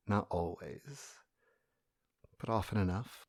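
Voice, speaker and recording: An actor in an audio drama playing a weary, dying man who is gentle, loving and resolute, speaking in measured, soft tones. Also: low voice, breathy edge, no echo, clean studio sound, full character voice. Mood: tender.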